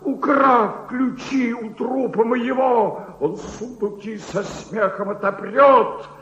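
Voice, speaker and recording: A man's voice: extremely high pitch, takes it slowly, heavily acted. An actor playing an old miserly baron in a radio play, declaiming verse as a tormented man hungry for power and in love with his treasure. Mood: bitter, anguished. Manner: declamatory, from hushed gloating to anguished cries. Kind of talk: theatrical dramatic monologue in verse, Russian radio play. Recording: echoey, dull archival radio recording.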